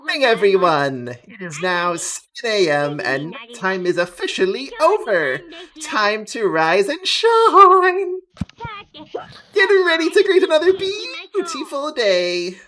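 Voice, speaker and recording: A woman voicing a falsely sweet talking bear mascot for a video game, making school announcements in a drawn-out sing-song way. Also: mid-range voice, sing-song, bright, forceful tone, full character voice. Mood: fake cheerful. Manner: mock-cheerful, drawn-out sing-song delivery. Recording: music playing behind the voice.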